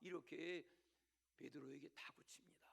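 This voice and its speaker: High, gravelly-voiced pastor preaching dramatically. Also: male voice, normal speed. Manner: dramatic storytelling, swinging from loud declaration to hushed whisper; direct repeated appeals to the congregation. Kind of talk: Sunday sermon. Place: church service.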